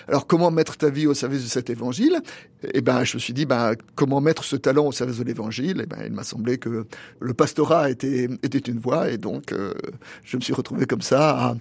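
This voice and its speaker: A man in his sixties from Paris, a pastor thinking aloud as an interview guest, with frequent pauses and restarts. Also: mid-range voice, vocal fry, darkish tone, breathy edge. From Paris, France. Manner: thoughtful, halting, many pauses and restarts. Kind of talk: reflective interview answers.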